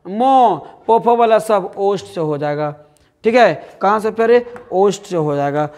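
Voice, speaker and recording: High-voiced Bihari man drilling a class. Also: animated, unhurried, a little mellow. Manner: drills answers, repeating words and asking the class; calls students "dear". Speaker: teacher. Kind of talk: online exam-prep lesson.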